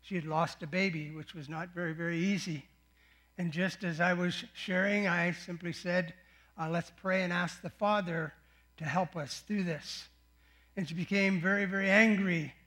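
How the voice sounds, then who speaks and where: Older guy preaching, high voice, earnest and slow, storytelling from counseling days. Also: fairly even intonation. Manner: earnest, unhurried storytelling with soft-spoken prayer. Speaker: pastor. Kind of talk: sermon.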